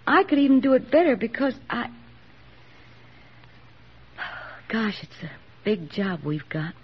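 A woman's voice: on the high side, big pitch swings, slow pace, slight background noise. A woman playing an earnest young army nurse in a 1940s radio drama, speaking with heartfelt sincerity. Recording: dull old radio broadcast recording.

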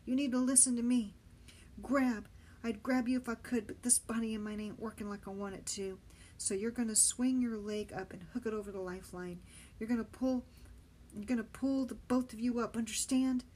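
Woman doing a gruff burned sailor, loud urgent orders, storybook read-aloud. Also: medium pitch, moderate pace, natural voice. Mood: urgent commanding. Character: burned, gruff adult male sailor, commanding.

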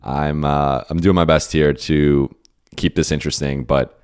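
Tired guy who lost his voice, super low and gravelly-ish, rambling thru listener q's on his pod. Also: fairly even intonation, measured pace, darkish tone. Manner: rambling, many restarts and fillers. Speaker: podcast host and basketball beat writer. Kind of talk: casual solo podcast answering listener questions.

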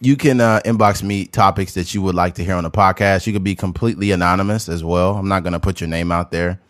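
Male podcast co-host, loose and rambling, somewhat low pitch, dry recording. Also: fairly even intonation, quick pace, dry recording. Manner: loose, rambling talk with many "like" fillers. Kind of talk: casual podcast chat.

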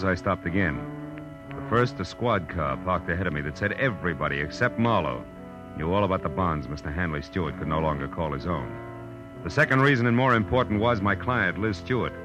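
An actor with an American accent playing a tough, wry private detective in a clipped, sardonic 1940s radio drama style. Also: male voice, very deep voice. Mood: wry, urgent narration. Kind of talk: 1940s radio detective drama acting and first-person narration. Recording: dull old radio recording, music behind.

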